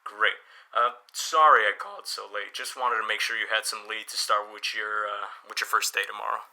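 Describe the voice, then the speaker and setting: A man voices a friendly small-town newspaper boss in conversational audio-drama dialogue, explaining things in a helpful, encouraging, chatty way. He speaks at a moderate pace in a fairly low, steady voice that sounds pushed and bright.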